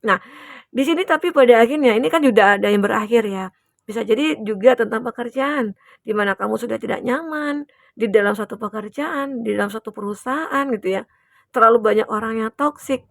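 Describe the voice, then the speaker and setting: Young woman doing a tarot reading, chatty and reassuring, kinda high voice, dry room. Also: brisk, vocal fry, dry recording. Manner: chatty and reassuring, many fillers and tag questions. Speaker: tarot reader. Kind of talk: collective tarot reading to viewers.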